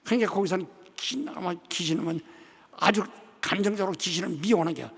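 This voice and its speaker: An older man delivers a sermon, his high voice heavily gravelly and husky. He tells stories with animation and voices bits of dialogue, and the long reverb of a large sanctuary trails every phrase. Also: fast talker. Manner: animated storytelling, acting out dialogue. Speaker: senior pastor.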